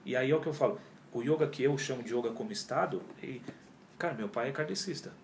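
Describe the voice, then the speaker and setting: This man from Brazil, a yoga teacher in his 40s, has a fast, gravelly mid-range voice, and a little hiss or hum sits under it. He is an interview guest in a relaxed chat, animatedly recounting his story, playing out old conversations, and using heavy slang, all in an echoey room with faint ambience.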